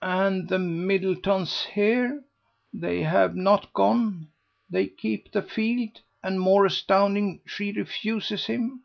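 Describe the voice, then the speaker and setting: A man voicing an excitable, gossipy older society lady who gushes and pleads breathlessly. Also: sits high, slow pace, gravelly, highs cut off, pitched above the performer's own voice, full character voice. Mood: gushing.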